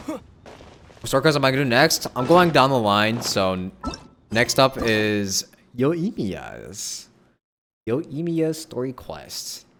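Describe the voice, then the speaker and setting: A man chatting casually on a game livestream, thinking aloud in a halting way and repeating his phrases. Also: mid-range voice, fairly bright tone, slight background noise. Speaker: game streamer. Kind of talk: casual livestream chat with viewers.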